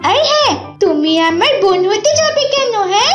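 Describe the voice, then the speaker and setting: A woman's voice: extremely high pitch, big pitch swings, moderate pace. A woman voicing a cheeky, arrogant young girl fox cub in a cartoon, whiny and scornful. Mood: haughty disgust. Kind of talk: cartoon voice acting. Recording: roomy echo with music.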